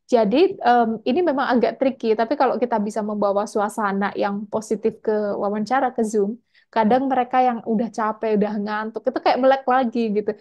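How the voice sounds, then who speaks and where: A woman's voice: on the high side, steady tone, brisk, a little mellow, highs cut off. A woman scholarship mentor giving casual, chatty feedback after a mock interview over a video call. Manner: casual, chatty, frequent tag words.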